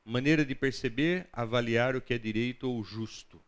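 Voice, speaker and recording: A Brazilian man teaches a Bible class as a conversational, didactic lecture, frequently asking his listeners questions. He speaks at medium pitch and a moderate pace.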